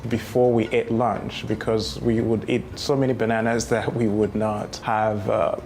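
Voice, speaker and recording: A man's voice: fairly low pitch, level tone, a little mellow, slight background noise. Reflective man from Rwanda in his thirties. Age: 30s. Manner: reflective, unhurried, with many fillers. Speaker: memoir writer telling his life story. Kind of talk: personal testimony. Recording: music playing underneath.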